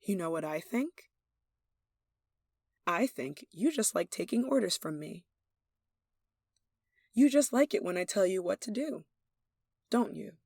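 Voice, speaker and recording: A woman's voice: medium pitch, lively intonation, unhurried, long pauses, darkish tone, dry recording. Lovestruck royal heir, close and dry played by a woman. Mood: playful, teasing. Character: lovestruck, possessive young royal heir, playful and commanding. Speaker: voice actor in an audio roleplay. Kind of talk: intimate ASMR roleplay acting.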